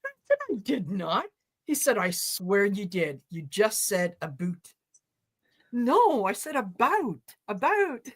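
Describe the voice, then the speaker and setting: A woman from Croatia whose first language is Croatian, chatting casually as a co-host and sometimes pausing to search for words. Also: mid-range voice, sing-song. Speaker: tarot show co-host. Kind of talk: casual chat.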